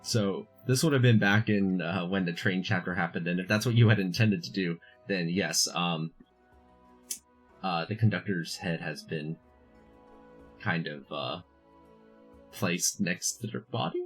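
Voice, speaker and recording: A man's voice: sits low, measured pace, pauses often, slightly rough, faint music behind. A man running a tabletop game as game master, narrating and explaining in a hesitant way.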